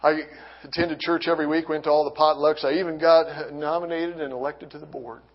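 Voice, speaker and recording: A man giving an earnest personal faith testimony, halting with restarts and reading scripture aloud. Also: a little high, steady tone. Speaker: testimony speaker. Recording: dull lo-fi recording.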